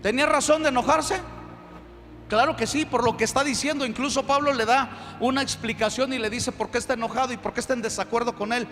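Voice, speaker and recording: Pastor que predica con énfasis, sala con reverberación y leve ruido de fondo. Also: male voice, very high voice, quick pace, slight background noise. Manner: emphatic, animated storytelling. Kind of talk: sermon. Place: church.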